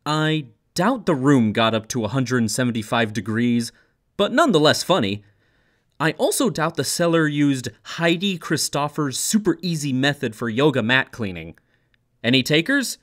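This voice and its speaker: Theatrical man reading with very animated pitch. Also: dry recording, clean studio sound. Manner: mock-serious, theatrical. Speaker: humorous reader of an online classified ad. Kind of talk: dramatic reading, scripted comic narration.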